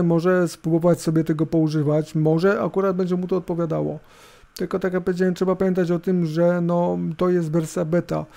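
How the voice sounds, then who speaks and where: Mellow, higher-pitched man over fan hiss. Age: middle-aged. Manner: informal, rambling, hesitant, with tag questions. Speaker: host of a tech review video. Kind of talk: casual, unscripted screencast commentary. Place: indoors at a computer. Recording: hissing laptop fan noise. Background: laptop fan hum.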